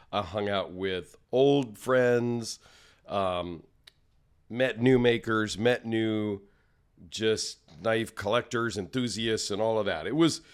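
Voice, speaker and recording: A man talks casually straight to camera, his voice a touch raspy and tired after a long trip. He rambles along in a friendly, self-deprecating way at an ordinary mid pitch. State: slightly raspy, tired from travel. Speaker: knife channel host. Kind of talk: casual solo vlog.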